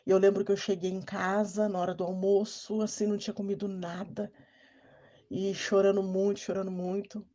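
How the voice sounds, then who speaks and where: A Brazilian woman telling an emotional personal testimony in an earnest, halting way with frequent restarts. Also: medium pitch, little pitch movement, mellow, muffled recording. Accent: Brazilian Portuguese. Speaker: testimony speaker.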